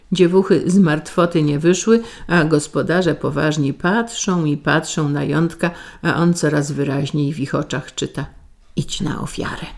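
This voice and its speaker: A woman tells an old folk tale at an unhurried, measured pace. Her voice sits fairly low and has a gravelly texture. Her phrasing is old-fashioned storytelling. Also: darkish tone. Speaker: narrator.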